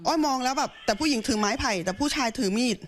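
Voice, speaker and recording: A woman's voice: high voice, very fast, crowd noise. A woman interviewee describing an incident, speaking of herself by her own name. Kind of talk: emotional interview testimony.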